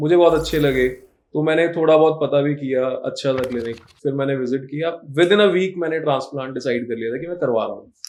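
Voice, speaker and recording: The speaker has a slight Punjabi accent and a moderate pace. Pitch variation is ordinary. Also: man, fairly high pitch for a man. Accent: Punjabi touch in Hindi. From Punjab, India (Patiala). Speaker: patient giving testimonial, actor and comedy video maker. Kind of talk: interview testimonial. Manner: casual, animated.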